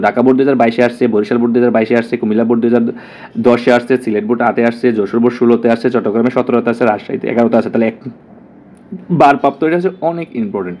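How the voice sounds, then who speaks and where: A man teaching an exam-prep lesson, repeating key words and often asking the students "clear?". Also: mid-range voice, darkish tone. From Bangladesh.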